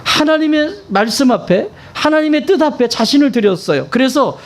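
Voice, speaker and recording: Man, pastor, sermon, high voice, swooping intonation, emphatic, asks questions. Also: lively intonation, moderate pace. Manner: conversational, asks the congregation questions.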